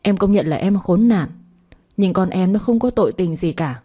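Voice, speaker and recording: A woman's voice: medium pitch, lively intonation, normal speed, dark tone, lightly acted. A woman reading as a tearful begging young mistress. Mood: pleading. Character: young pleading pregnant mistress.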